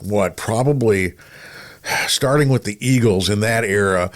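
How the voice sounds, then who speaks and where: A man's voice: fairly low pitch, unhurried. A man chatting casually as a podcast co-host, rambling along in a self-deprecating way. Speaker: podcast co-host, former radio programmer. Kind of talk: casual radio-industry chat.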